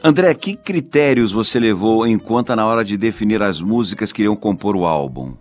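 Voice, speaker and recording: A Brazilian man hosts a radio interview in a smooth, polished announcer style. His voice sits low. Soft music plays faintly underneath. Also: animated, a little fast. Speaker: radio host.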